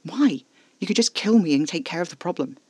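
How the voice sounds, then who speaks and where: A man's voice: lively intonation, a little fast, husky, no echo. A man voicing a frantic young human lover. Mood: pleading. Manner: high-pitched, loud and desperate.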